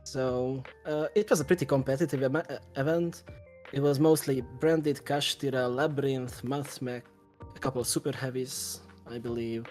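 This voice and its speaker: A man from Slovakia whose first language is Hungarian, answering interview questions in a soft, hesitant way with frequent restarts. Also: mid-range voice, steady tone, normal speed, soft background music. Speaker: guest, tournament champion. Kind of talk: interview over a call.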